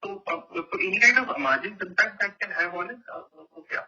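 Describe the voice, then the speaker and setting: An analyst, a man, politely asking questions on an earnings call in a halting way, repeating words. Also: high-pitched, sharp tone, breathy edge. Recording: muffled, lo-fi phone conference line.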